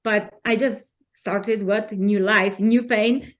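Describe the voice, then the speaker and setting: A woman from Poland with a Polish accent, a podcast guest talking in an earnest, encouraging way with halting non-native phrasing. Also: medium pitch, fairly even intonation. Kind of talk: conversational interview.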